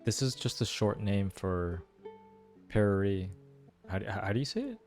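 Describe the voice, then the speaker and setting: A man's voice: lowish voice, unhurried, soft background music. A man giving exclamatory reaction commentary on a game story, musing aloud as a gaming content creator. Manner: animated, exclamatory, muses aloud.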